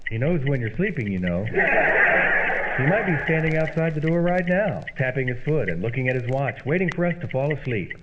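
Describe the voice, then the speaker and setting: A man's voice: mid-range voice, sing-song, normal speed, natural voice. A man playing an exasperated, long-suffering straight-man friend in old-time radio comedy, irritable and sarcastic. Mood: weary, impatient. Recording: noisy, muffled old-time radio sound.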